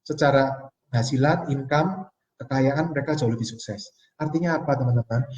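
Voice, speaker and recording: A man's voice: fairly high pitch, a little mellow. A man in his forties giving a motivational live online seminar on money, speaking to viewers as friends and reading out their comments. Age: 40s. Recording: roomy, distant, dull-sounding audio.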